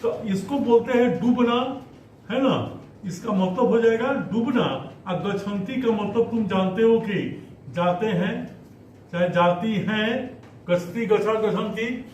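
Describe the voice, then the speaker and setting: A man with a fairly high voice teaches a Sanskrit lesson at a slow, deliberate pace, repeating each word and checking in with his students. He sounds set back from the mic in an echoey room, with a faint hiss beneath. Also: a little mellow, far from the mic, lo-fi sound. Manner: slow, repeats words, frequent 'है ना' checks. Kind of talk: classroom lesson explaining Sanskrit text.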